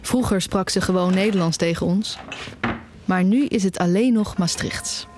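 An actress plays a troubled young woman giving reflective first-person narration in an audio drama. Her pitch is average for a woman. Noticeable noise sits behind the voice. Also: normal speed, lightly acted. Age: young adult. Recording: clearly noisy background.

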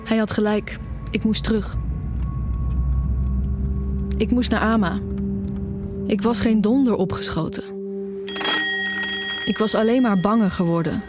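A woman's voice: medium pitch, a little slow, long pauses, over music, lightly acted. An actress playing a troubled young woman who narrates her own story reflectively in an audio drama. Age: young adult. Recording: clearly noisy background.

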